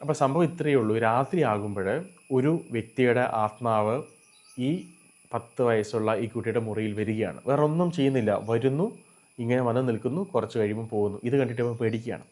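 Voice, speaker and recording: A man's voice: mid-range voice, fast talker, a little mellow. A man with a Malayali accent hosting a Catholic channel, earnestly and animatedly retelling a religious story with English words mixed in. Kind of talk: chanted Latin prayer.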